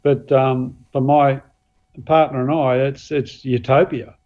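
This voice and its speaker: An Australian man, a guest axe and knife maker, talking casually and modestly with many pauses and fillers. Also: mid-range voice, little pitch movement, darkish tone, lo-fi sound. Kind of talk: casual podcast chat.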